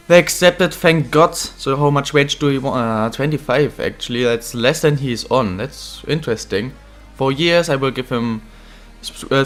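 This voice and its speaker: A young man who is a bit ill, chatting casually while commentating his own football video game career, getting excited at goals. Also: mid-range voice. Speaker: gaming channel host.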